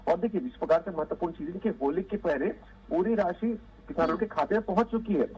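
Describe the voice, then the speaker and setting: Husky, higher-voiced man debating insistently. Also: fast, a little mellow, poor audio. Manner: assertive, defensive, insistent. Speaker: ruling party spokesperson on a TV panel. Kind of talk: political TV debate.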